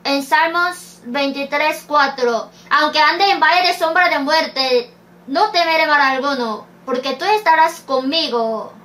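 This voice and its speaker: A woman's voice: high voice, a little slow, fairly bright tone. A woman preaching a sermon, reading scripture verses aloud and asking rhetorical questions. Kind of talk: slow sermon.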